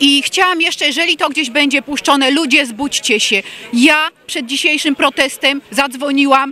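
A woman with a Polish accent uses a raised, projected, high-pitched voice in a dry sound without echo. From Poland. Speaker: protest participant. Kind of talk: angry rant. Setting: outdoors. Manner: indignant, emotional. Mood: angry, indignant. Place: street. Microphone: handheld.

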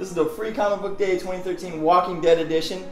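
Faint music plays in the background as a man speaks at a moderate pace with audible room echo. His pitch is high. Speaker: comic shop promoter. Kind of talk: casual promotional vlog chat. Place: shop. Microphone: phone near.

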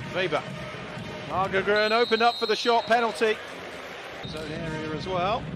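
In an excited tone, a man with a high pitch speaks at a moderate pace with ordinary pitch variation, big swings in loudness and long, frequent pauses, in a dry sound with no echo over noticeable background noise. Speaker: sports commentator. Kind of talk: live sports commentary. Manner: excited, rising intensity on goals. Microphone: headset.

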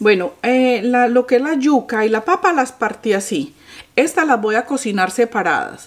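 At a moderate pace, a woman speaks in a high voice. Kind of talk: cooking tutorial. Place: kitchen.

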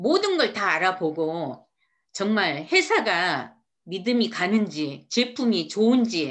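A woman's lively intonation comes through against a quiet background. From South Korea. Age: 60s. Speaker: network marketing leader; presenter. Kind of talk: testimony. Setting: video call. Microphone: video call.

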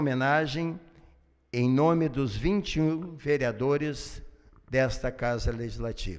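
Against a quiet background, a man with a fairly high pitch talks at a very slow pace with ordinary pitch variation. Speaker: city councillor. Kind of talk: formal ceremonial speech. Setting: council chamber with audience. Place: hall. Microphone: podium.

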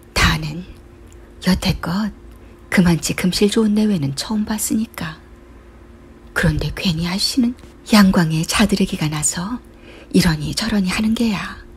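With long, frequent pauses, the speaker delivers the lines at a fairly slow pace in a dramatic tone. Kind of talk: audiobook reading of a literary short story.

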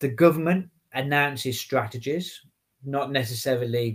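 This man's voice is somewhat breathy, with ordinary pitch variation. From North Birmingham, England; England. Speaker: education technology consultant and presenter; webinar presenter. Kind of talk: webinar presentation. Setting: online webinar. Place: home room.

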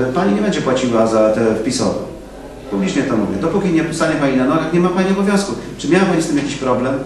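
Talking at a very fast pace, a man with a fairly high pitch makes very wide pitch swings over light background noise and audible room echo. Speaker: assembly chair. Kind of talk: formal assembly proceedings. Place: hall.

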